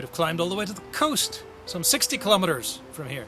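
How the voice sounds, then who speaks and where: Music plays in the background as a man talks. His delivery is fairly quick, with lively intonation. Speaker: documentary narrator. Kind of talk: historical documentary narration.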